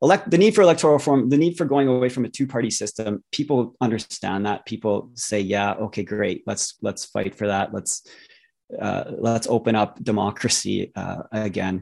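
A man with an unremarkable speaking voice, medium pitch and lively intonation, at a moderate pace. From Alberta, Canada. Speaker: political party leader and former first responder. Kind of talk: casual interview. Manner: conversational, filler-heavy.

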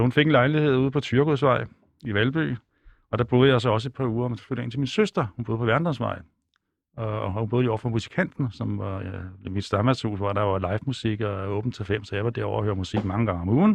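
Fairly quick pace and ordinary pitch variation from an ordinary speaking voice. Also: man, medium pitch for a man. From Copenhagen, Vesterbro. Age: 50s. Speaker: author. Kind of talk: interview.

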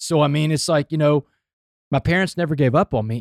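A man with a Southeast Texas accent at a very fast pace, in a very clean, dry, close recording with no echo and a silent background. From Texas, Port Arthur. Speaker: keynote speaker and author. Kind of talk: casual chat with storytelling. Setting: studio.

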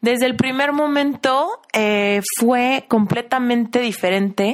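Lively intonation runs through this voice with a Mexico City accent. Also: woman. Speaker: podcast host and branding entrepreneur. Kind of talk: solo personal narrative monologue.

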